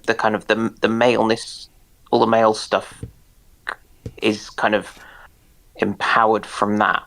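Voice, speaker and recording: A man with a creaky, gravelly voice and a slow delivery. He explains in a casual way, pausing often and carefully hunting for the right word. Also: lowish voice, fairly bright tone, poor audio. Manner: halting, searching for words, careful.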